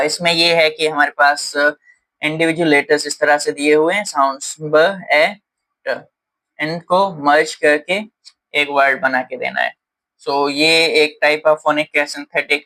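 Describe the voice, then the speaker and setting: A man's voice: fairly high pitch, sharp tone, low-quality recording. Man explaining a teaching lesson. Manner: patient, explanatory, frequent fillers. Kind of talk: explaining lesson in Hindi-English mix.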